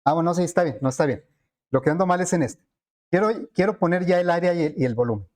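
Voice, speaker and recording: Man teaching coding, slightly high voice. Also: fast, a little mellow. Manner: thinks aloud with frequent fillers and checks with students. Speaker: programming teacher. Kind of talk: screen-recorded coding lesson.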